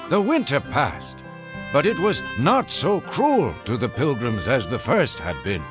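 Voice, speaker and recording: An actor playing a dignified Native American chief who fondly recounts the past in measured, solemn radio drama narration. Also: male voice, fairly high pitch. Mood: reflective. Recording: music behind the voice. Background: clear music.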